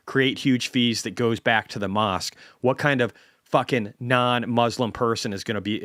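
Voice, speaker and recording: A man's voice: fairly low pitch, a bit bright, no echo, studio quality. A man hosting a market commentary stream, ranting bluntly and swearing heavily.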